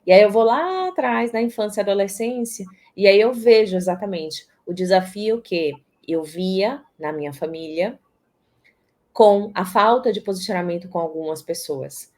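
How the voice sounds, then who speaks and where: A woman from Salvador, Bahia, Brazil, a systemic positioning strategist, is a guest in a casual interview, talking expressively and often restarting her words. Her voice is mid-range and darkish, at a normal speed.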